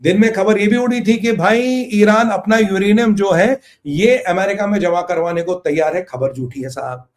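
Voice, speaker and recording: Casting: male host of a political commentary show, sarcastic and theatrical, higher-pitched voice. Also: moderate pace, few pauses. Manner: mocking, theatrical, acts out quotes.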